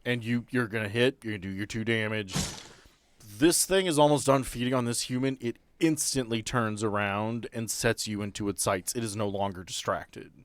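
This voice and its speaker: A man's voice: lowish voice, normal speed, dry recording. A man acting as game master, narrating the action and rules of a tabletop roleplaying game in a podcast.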